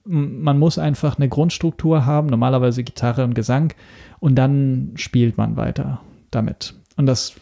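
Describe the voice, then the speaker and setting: Gravelly, hesitant man. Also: mid-range voice, steady tone, moderate pace, mellow. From Italy. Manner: hesitant, searching for words. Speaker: podcast guest. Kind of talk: casual interview talk.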